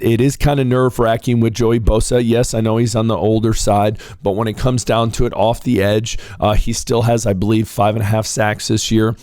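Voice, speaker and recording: Hoarse, excitable New sports host. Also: male voice, on the low side, dry recording, clean studio sound. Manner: excitable, rambling, addresses viewers as ladies and gentlemen. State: hoarse, getting over a cold. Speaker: sports talk show host. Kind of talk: casual solo sports commentary.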